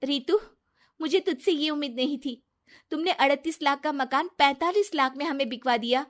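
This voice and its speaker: A woman's voice: high voice, normal speed, voice pushed up, close to an everyday voice. A woman voicing an earnest, trusting young wife in a cartoon story, pleading as she talks.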